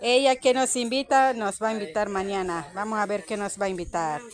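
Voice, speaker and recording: With light background noise behind her, a woman talks at a fairly quick pace and ordinary pitch variation. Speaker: family vlogger narrating. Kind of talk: casual vlog chat. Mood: cheerful, teasing. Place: garden. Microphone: phone near.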